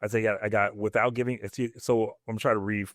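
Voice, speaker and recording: Lowish-voiced man moderating a casual chat. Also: level tone, quick pace, a bit bright, no echo, clean studio sound. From Nigeria or Nigerian family. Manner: informal, checks back with questions. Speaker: podcast host moderating. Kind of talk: casual discussion, questioning.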